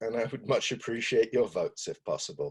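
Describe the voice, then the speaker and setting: A man talks at a moderate pace with a slight English accent. The recording is very clean, with a silent background. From England. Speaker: municipal election candidate. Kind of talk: campaign speech. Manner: halting, many fillers.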